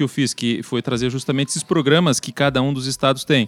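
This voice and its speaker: The speech comes very fast, sounding dry and close with no echo. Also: man. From Brazil, countryside. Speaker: podcast co-host. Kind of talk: casual chat.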